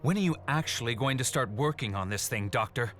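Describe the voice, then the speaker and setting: A man's voice: medium pitch, animated, a little fast, fairly bright tone, soft background music, close to an everyday voice. A man voicing an impatient, incredulous young government agent in a motion comic. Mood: exasperated. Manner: incredulous, complaining.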